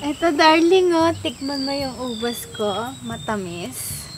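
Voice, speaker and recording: Woman playing a sweet doting wife, high voice. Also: slow pace, heavy background noise. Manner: sweet and coaxing, calls him darling constantly. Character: sweet doting young wife, suddenly extra kind. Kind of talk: comedy skit acting. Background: background music.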